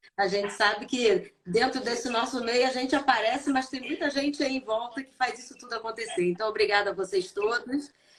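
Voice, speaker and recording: Speaking in a Carioca accent, a woman has a high pitch and ordinary pitch variation. She moves at a fairly quick pace with hardly any pauses. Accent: carioca accent, noticeable rolled R. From Rio de Janeiro, Brazil. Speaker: tax lawyer and tax appeals board member. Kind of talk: podcast interview explanation.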